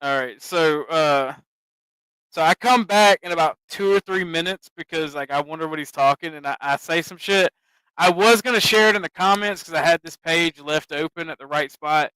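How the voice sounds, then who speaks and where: Bright, clear Southern man ranting. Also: on the high side, moderate pace, no echo, rough recording. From American South. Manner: animated, profane, mocking. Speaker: streamer host. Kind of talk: casual stream commentary.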